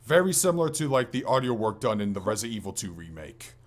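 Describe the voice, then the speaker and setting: A man's voice: lowish voice, big pitch swings, quick pace. A man co-hosting a casual gaming podcast, talking enthusiastically in loose, slangy language with some mild swearing. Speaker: podcast co-host.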